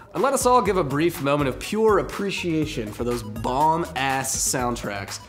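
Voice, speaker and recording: Jokey young man co-hosting a video show. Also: mid-range voice. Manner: animated, jokey, swings to loud bursts. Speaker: co-host. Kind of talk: casual scripted web show chat. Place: studio set with branded backdrop.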